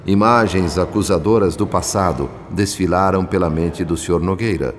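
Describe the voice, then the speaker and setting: A Brazilian man reading scripted, literary radio drama narration in a measured, formal and solemn storytelling manner. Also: deep voice. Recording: long reverb, music behind. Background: background music.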